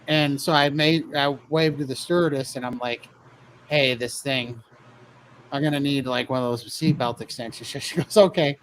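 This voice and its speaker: A man's voice: medium pitch, fairly even intonation, moderate pace, fairly bright tone, slight background noise, poor audio. A man casually telling a funny story about himself, laughing often as he goes. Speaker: guest telling his weight-loss story.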